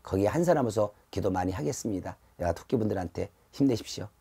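Middle-aged guy telling fortunes, earnest and repetitive, dark husky voice, lapel mic. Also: lowish voice, lively intonation, fast talker. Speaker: fortune teller. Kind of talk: fortune-telling talk to camera. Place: shrine room indoors.

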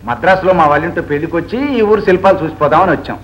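Man playing a kindly, fatherly gentleman. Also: on the high side, very fast, lightly acted, poor audio. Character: kindly wealthy middle-aged gentleman on holiday. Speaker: visiting wealthy father figure. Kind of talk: 1970s Telugu film acting.

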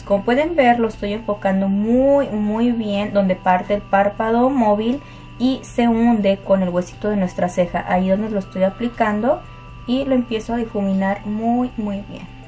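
A woman's voice: mid-range voice, mellow. A woman giving a step-by-step makeup tutorial, gushing over each color and calling her viewers "chicas". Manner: gushing, repeats "súper bonito", addresses viewers as "chicas". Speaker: makeup vlogger.

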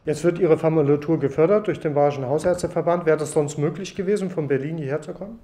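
A male interviewer asks polite, formal questions off camera. His voice sits rather high but sounds mellow and soft. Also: fast.

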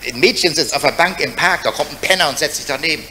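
A man's voice: fairly high pitch, sharp tone, a little hiss or hum. A man telling one joke after another as a stand-up comedian, tagging lines with "du" and "hä?". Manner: fast joke after joke, punctuated with "du" and "hä?".

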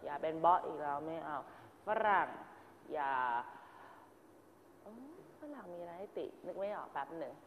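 A woman's voice: deep voice, normal speed, pauses often, a little hiss or hum. A woman coaching a drama class, giving direct, corrective notes to her students one after another. Her voice rings out in a large hall with a long tail of reverb. The sound is somewhat dull and muffled. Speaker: acting teacher.

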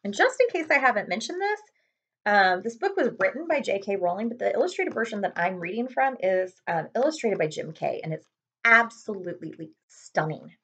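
Expressive woman reading a storybook, lively pitch. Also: brisk, breathy edge, dull audio. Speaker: librarian reading aloud. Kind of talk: storybook read-aloud narration. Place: small home room with window blinds.

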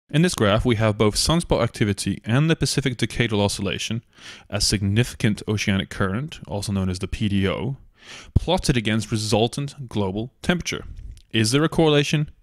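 A man reading a scripted documentary narration in a measured, argumentative way, posing rhetorical questions. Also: on the low side, no room sound, studio quality.

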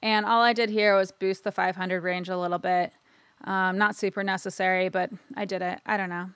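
Bright, creaky-voiced woman giving a tutorial. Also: mid-range voice, little pitch movement, fairly quick, dry recording. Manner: informal, explanatory, frequent "right?" tags. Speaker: audio editing instructor. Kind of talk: casual screen-recorded tutorial narration.

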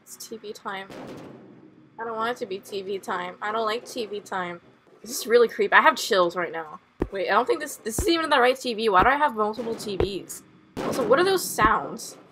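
A woman's voice: medium pitch, animated, a little fast, a bit bright, slight background noise. A young woman on a headset mic, playing a horror game and commenting nervously, laughing and asking questions. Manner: nervous, giggly, full of questions. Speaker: gaming streamer.

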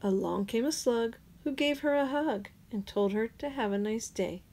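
A woman teacher reading a children's picture book aloud, slowly and clearly, with sing-song rhymes. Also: a little high, darkish tone.

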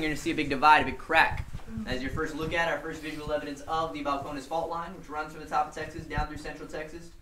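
Fast-talking male cave tour guide. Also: mid-range voice, fairly bright tone. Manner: explains to visitors, pointing things out. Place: inside a show cave.

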